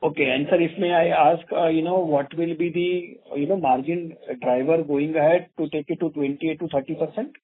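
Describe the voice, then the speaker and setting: A man's voice: a little high, fairly even intonation, moderate pace, hardly any pauses. A man with an Indian accent politely asking wordy, deferential questions as an analyst on an earnings call. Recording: narrow, phone-like call audio.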